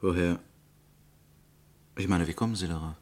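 A man acting a guarded lawyer and widower in a radio crime drama. His voice is low, and he answers reluctantly, with restrained irritation. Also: normal speed, darkish tone, natural voice. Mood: guarded, defensive.

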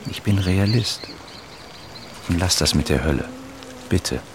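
A very low, creaky voice comes through clear rain noise: an enigmatic male stranger. He is a laconic, deadpan fatalist, blunt and unsentimental, in a naturalistic radio drama. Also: measured pace. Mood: deadpan, resigned. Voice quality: gravelly.

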